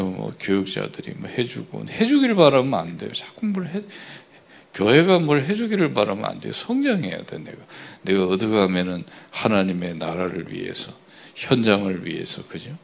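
A man preaching a sermon, often asking the congregation for agreement and swinging between loud emphatic bursts and quiet asides. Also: on the low side, sing-song, moderate pace, vocal fry. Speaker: pastor.

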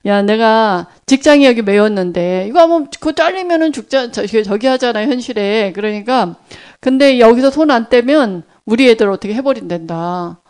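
A woman's voice: fairly high pitch, animated, normal speed, few pauses, a little mellow, clear, resonant tone, lightly acted. A woman voicing her worried, stern middle-aged husband in a testimony, scolding and urgent.

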